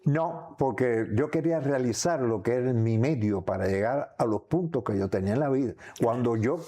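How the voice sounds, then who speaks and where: An older man with a Cuban accent, giving reflective personal testimony as an interview guest, in halting, rambling phrases. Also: mid-range voice, mellow. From Cuba. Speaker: interview guest recounting memories.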